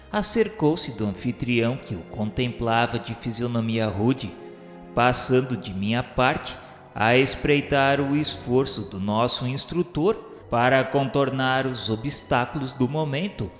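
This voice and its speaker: A man with a Brazilian accent narrating a scripted radio drama in a formal, literary, solemn storytelling manner. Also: mid-range voice. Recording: echoey hall reverb, faint music behind.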